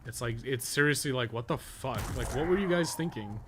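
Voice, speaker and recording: A live streamer who also co-hosts a podcast chats casually over game audio in an expressive, medium-pitched voice at a fairly quick pace. His talk is rambling, wry, loose, and profane.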